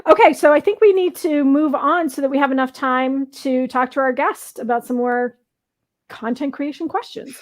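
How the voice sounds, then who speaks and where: Very high-voiced woman co-hosting a talk show. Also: normal speed. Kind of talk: casual panel discussion.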